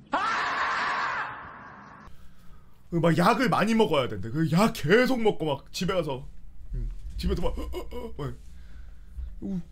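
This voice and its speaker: A young man telling a funny story in a casual, animated way, often shouting and wailing as he acts out the scenes. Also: high voice. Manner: animated, shouts and wails while acting out scenes.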